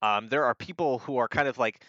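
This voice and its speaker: A man narrates a tabletop game as game master, rambling through scenes with many fillers. His voice is bright and clear. The audio is dry, dull and lo-fi. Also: mid-range voice, a little fast, no room sound.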